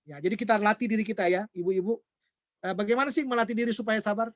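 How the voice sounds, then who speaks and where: A man with a high-pitched voice preaches a sermon and keeps quizzing his listeners before answering each question himself. The recording is dry and close, with no room sound. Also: fast talker, no room sound. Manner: asks the congregation questions and answers them himself; acts out everyday quarrels in quoted voices.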